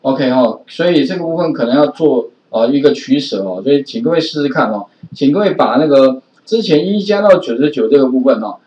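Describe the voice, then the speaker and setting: A male programming teacher with a Taiwanese Mandarin accent lectures chattily in class, peppering his speech with filler particles. His medium-pitched voice is warm and lively, fairly quick with hardly any pauses, captured in roomy, distant, dull lo-fi classroom audio.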